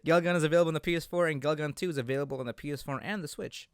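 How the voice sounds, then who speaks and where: A man hosting a casual video game chat, explaining things in an informal, halting way. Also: on the high side, fairly even intonation, smooth, no room sound, studio quality. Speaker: podcast host.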